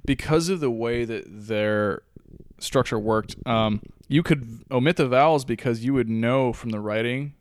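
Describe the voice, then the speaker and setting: A man with a smooth baritone co-hosting a podcast, chatting casually about history in an informal, sweary, self-deprecating way. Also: unhurried, no room sound, clean studio sound. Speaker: podcast co-host. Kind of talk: casual chat, joking history discussion.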